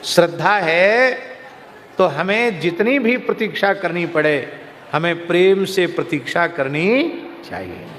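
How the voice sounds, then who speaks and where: A man's voice: high voice, slow. A man delivering a religious discourse, telling stories and anecdotes to his listeners. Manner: storytelling, lively anecdotes. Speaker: katha preacher. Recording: reverberant hall, faint noise.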